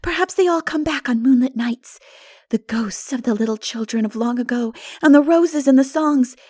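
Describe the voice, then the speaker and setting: A woman's voice: sits high, moderate pace, darkish tone, no room sound, studio quality, pitched above the performer's own voice. A woman voicing a dreamy, hopeful teenage girl with earnest, lilting expression in an audiobook. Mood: dreamy, wistful. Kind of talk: dramatic audiobook character reading.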